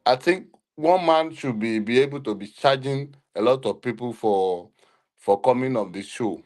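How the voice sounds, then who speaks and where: A man from Nigeria speaking haltingly with many pauses as a panelist in a live online discussion. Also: medium pitch, a little mellow. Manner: halting, hesitant, many fillers. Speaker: panelist on a live audio show.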